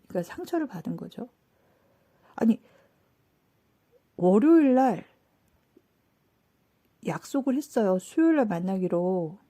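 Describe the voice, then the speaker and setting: A woman telling a personal story in a casual, animated way, acting out what people said. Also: mid-range voice. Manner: animated, acts out quoted dialogue. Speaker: channel host telling a story.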